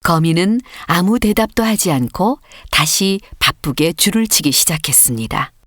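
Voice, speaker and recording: A woman's voice: lowish voice, animated, normal speed, no echo, clean studio sound. A woman narrating a children's story as a scripted audiobook reading.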